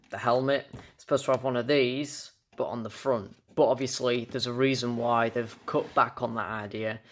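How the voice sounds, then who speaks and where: A young British man talks through a collectible in a casual home-style review. His delivery is unscripted and halting, and he trips on words and restarts them. His voice sits at an ordinary mid pitch for a man. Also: fairly bright tone. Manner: halting, stumbles over words and corrects himself. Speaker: toy collector reviewing an item on video.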